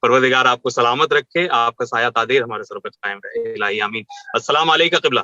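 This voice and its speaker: Formal tv host guy, bright pushy voice, super polite with titles for his guest, dry dullish sound. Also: medium pitch, dry recording. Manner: courteous, formal, full of honorifics and blessings. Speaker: TV show host. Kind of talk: formal religious talk show hosting. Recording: dull lo-fi studio sound, dry.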